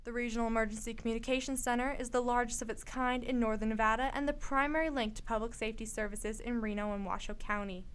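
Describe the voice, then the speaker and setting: A woman's voice: on the high side, fairly even intonation, quick pace, few pauses. A woman reporter reading scripted narration for a local news feature. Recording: clear background noise, room ambience.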